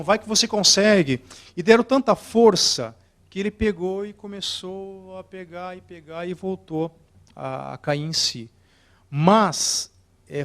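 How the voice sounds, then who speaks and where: A man with a Brazilian Portuguese accent, an oratory teacher lecturing a live audience in an expressive, theatrical way that swings between soft and loud. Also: sits high. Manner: expressive and theatrical, shifting loudness and acting out scenes.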